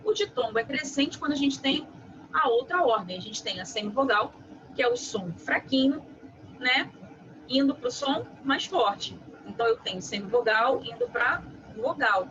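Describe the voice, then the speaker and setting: A woman teacher walks through a review lesson in a didactic way, pausing often to check that her students follow. Her voice sits slightly high. The recording sounds muffled, with a steady background noise underneath. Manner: didactic, constantly checks understanding with tag questions. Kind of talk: online lesson.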